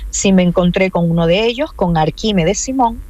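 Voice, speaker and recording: A woman's voice: medium pitch, expressive, moderate pace, a little mellow, no room sound. Earnest woman telling her story. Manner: earnest, insistent, repeats key points. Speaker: interviewee. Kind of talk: emotional personal account.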